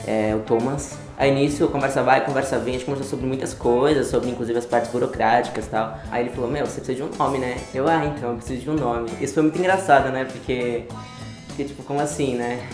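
Relaxed 19-year-old Brazilian guy. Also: medium pitch, quick pace, soft background music. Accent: Brazilian Portuguese. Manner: relaxed, laughs often. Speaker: interviewee. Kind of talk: casual personal storytelling. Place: studio against grey wall. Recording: roomy room sound.

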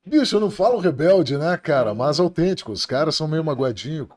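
Middle-aged police officer guest, blunt and profane, animated high-ish delivery. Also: male voice, a little fast. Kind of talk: casual podcast storytelling.

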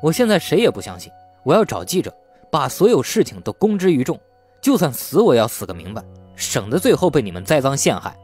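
A man's voice: medium pitch, very animated, a little fast, a little mellow, breathy edge, faint music behind. A man voicing an aggrieved, defiant young man in an audiobook, argumentative and sarcastic. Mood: indignant. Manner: indignant, argumentative.

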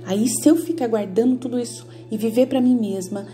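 Earnest Brazilian woman, mellow higher voice. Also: brisk, soft background music. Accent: Brazilian Portuguese. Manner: earnest, repetitive, often checks in with listeners. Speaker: Catholic study group leader. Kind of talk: informal religious teaching with personal examples.

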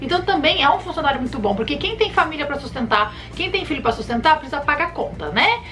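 A woman in her thirties from Brazil, a flight attendant giving casual advice to camera with lively gestures, recorded in a bedroom. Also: sits high, quick pace, faint music behind. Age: 30s. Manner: chatty, animated hand gestures, addresses viewers warmly by nicknames. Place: bedroom, indoors. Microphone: camera in front at chest framing.

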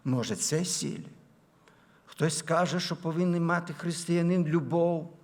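Pastor, male, fairly high voice, sermon delivery with big loud-to-soft swings and drawn-out key lines. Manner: swings between loud, raised emphasis and low, quiet asides; drawn-out, slowed key phrases. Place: church sanctuary.

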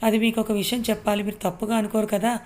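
A woman doing an apologetic, pleading young man; flat, even storybook read. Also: medium pitch, fast talker, close to an everyday voice.

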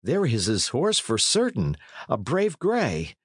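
A man's voice: mid-range voice, huge pitch swings, slow pace, breathy edge, no room sound, studio quality, full character voice. A man voicing a blunt, kindly young adventurer in a storybook, with hearty archaic speech. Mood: earnest, pitying. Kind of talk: storybook character reading.

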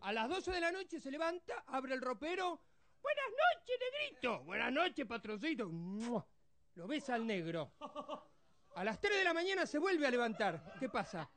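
A man putting on a high, squeaky voice with an Argentine accent, telling jokes on a TV show and acting out the characters in them. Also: huge pitch swings, moderate pace, a bit bright, full character voice. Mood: chatty. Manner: rattles through jokes, acts out other characters. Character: squeaky-voiced cheeky grown man, playful joker. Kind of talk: stand-up joke telling on a TV show.

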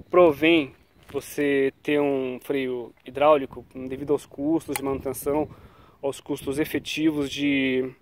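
Out on a quiet paved road, this man, a cycling vlogger fighting a cold, talks casually to his action camera about bike brakes. He keeps it chatty and loose, trailing off with "tá?" and "né?" as little checks. His voice leans high and slightly mellow, with a faint hiss or hum on the audio.

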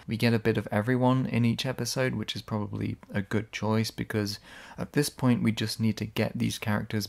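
A man's voice: fairly low pitch, creaky. A man giving casual, sarcastic video essay commentary. He is blunt, swears when annoyed, and his voice sounds slightly worn.

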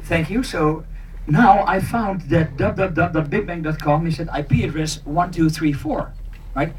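Higher-voiced man, distant noisy recording. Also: moderate pace. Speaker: session presenter acting out an internet provider. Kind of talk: live conference skit, semi-improvised. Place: small conference meeting room. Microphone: handheld mic, filmed from audience.

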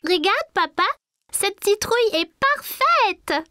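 A performer voicing a curious, excitable four-year-old boy in a children's cartoon, childlike and eager. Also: very high voice, slow pace, faint music behind, heavily acted. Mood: excited. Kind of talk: cartoon voice acting.

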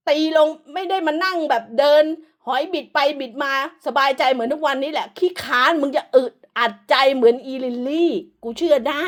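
Woman, high-pitched, harsh profane rant, insulting, scolding commentator. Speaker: online commentator.

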